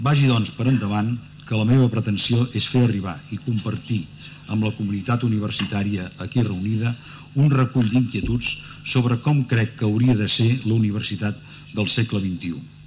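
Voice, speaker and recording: At a moderate pace, a man talks with fairly even intonation over light background noise. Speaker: president of university social council; university council president giving a speech. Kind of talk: formal speech. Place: hall. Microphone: podium.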